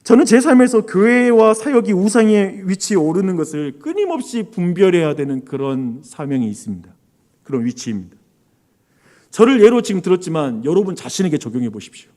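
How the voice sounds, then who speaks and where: A male pastor preaching earnestly, asking his congregation questions and answering them himself, moving between loud emphasis and quiet, drawn-out phrases. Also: high-pitched, big pitch swings. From South Korea. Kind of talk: sermon.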